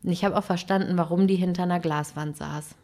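A young woman telling a story in casual chat, animated and exasperated, acting out what people said. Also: lowish voice, fast talker. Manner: animated, exasperated retelling with acted-out quotes.

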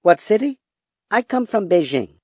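An actor playing a polite Chinese man calling in to a radio show, speaking in slow, simple sentences. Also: high-pitched, very animated, breathy edge, no echo, clean studio sound, full character voice. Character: polite Chinese male caller, beginner English. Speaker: listener caller on a radio show. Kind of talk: scripted language-lesson dialogue.

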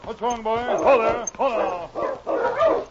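A man's voice: very high voice, huge pitch swings, a loud crowd, full character voice. An actor playing a commanding Mountie calling to his sled dogs in 1940s radio style. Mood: urgent, calling. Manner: loud, drawn-out calls to dogs. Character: commanding male Mountie driving a dog team. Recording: dull old radio recording over barking dogs.

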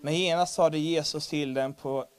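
A man preaching a sermon, animated and humorous, rising to loud emphasis. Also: on the high side, clear, resonant tone, no room sound.

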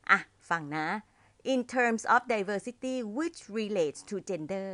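A woman's voice: fairly high pitch, no room sound. Friendly Thai woman giving a spoken lesson. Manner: friendly, addresses listeners as younger siblings, slows to model English phrases. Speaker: MC trainer teaching younger listeners.

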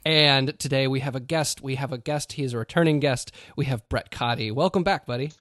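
A man's voice: mid-range voice, brisk, fairly bright tone, dry recording. Podcast host guy, chatty and self-mocking, dry close sound. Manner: chatty, self-deprecating, laughs often. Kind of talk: casual chat.

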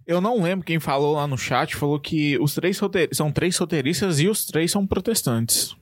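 A man's voice: on the high side, moderate pace, no room sound, studio quality. A man on a podcast, reading listener messages aloud in a casual way. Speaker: podcast co-host reading chat. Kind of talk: casual chat.

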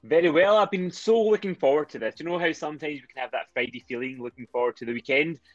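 A middle-aged man with a Scottish accent, a mindset coach speaking as a guest on a podcast, talking quickly and energetically as he explains. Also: on the high side, no echo, lo-fi sound, soft background music. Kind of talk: podcast interview.

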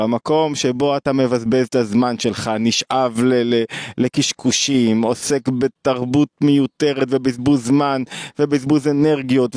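A man's voice: mid-range voice, darkish tone, no echo, studio quality. A middle-aged man delivering a daily video lecture on psychology, emphatic and repeating phrases for stress.

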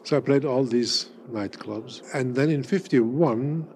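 A man of eighty whose first language is German, answering interview questions in a measured, wry way with frequent fillers and restarts. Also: mid-range voice, a little mellow, a little hiss or hum. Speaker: interviewee, cabaret artist.

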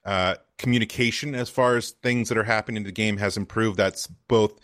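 A man with a deep voice co-hosting a casual gaming community show, rambling with lots of fillers. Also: fairly even intonation, fairly quick, a bit bright. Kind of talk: casual chat.

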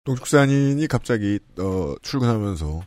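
A man's voice: lowish voice, lively intonation, normal speed. A man hosting a podcast, reading listener letters aloud with playful, teasing asides, close on a studio mic. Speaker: podcast host.

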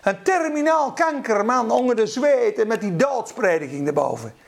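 A man preaching a charismatic sermon in an impassioned way, acting out quotes and breaking into sudden shouts. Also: very high voice, very animated, moderate pace, gravelly.

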